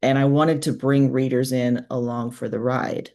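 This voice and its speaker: A woman's voice: rumbling low, steady tone, moderate pace, dark tone. A woman speaking as a guest author in a casual interview, explaining her thinking in an informal, reflective way. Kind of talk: casual, conversational interview answers.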